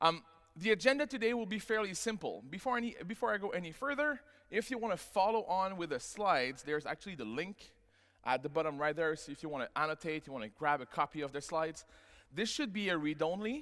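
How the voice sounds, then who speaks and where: A man with a French accent talks at a fairly quick pace in a high pitch, with a bright, sharp tone and very wide pitch swings. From Quebec, Montreal. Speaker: tech conference speaker, software product lead. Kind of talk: conference presentation. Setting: stage with audience.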